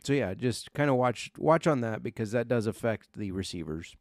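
A man's voice: medium pitch, animated, normal speed, a little mellow, no room sound. Male podcast co-host, very dry sound. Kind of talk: casual fantasy football podcast chat.

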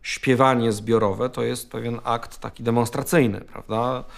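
A man's voice: medium pitch, steady tone, measured pace, creaky. A man giving reflective spoken commentary in a musing way, checking for agreement as he goes.

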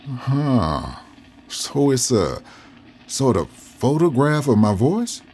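An actor playing an elderly former slave and Union veteran who is guarded, wry and folksy. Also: male voice, medium pitch, very animated, slow, darkish tone, slight background noise. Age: older. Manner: wary, folksy, drawling. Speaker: interviewee.

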